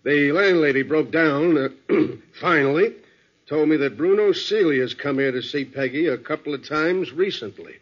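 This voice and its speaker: Actor as male cop, somewhat high pitch, plain-talking, easygoing, hesitant, 1940s radio drama, dull lo-fi sound. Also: close to an everyday voice. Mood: matter-of-fact. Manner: folksy, informal, drawn-out hesitations. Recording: dull, lo-fi old radio recording.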